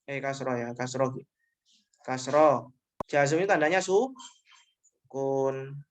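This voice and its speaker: Guy teaching grammar online, middle pitch, keeps repeating stuff patiently, says ya a lot. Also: unhurried. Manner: explains patiently, repeating points and tagging phrases with "ya". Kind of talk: online class lecture.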